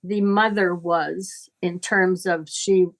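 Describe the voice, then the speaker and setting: A middle-aged woman teaching informally in conversation, explaining things in a halting, deliberate, reflective way. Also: on the low side, fairly even intonation. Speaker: astrology teacher.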